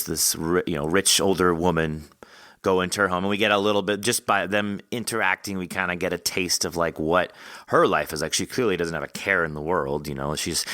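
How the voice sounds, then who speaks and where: A man's voice: deep voice, bright, forceful tone, no room sound, clean studio sound. A man hosting a podcast interview in a casual, chatty style, animatedly acting out imagined reactions as he talks. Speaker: podcast host interviewing an author.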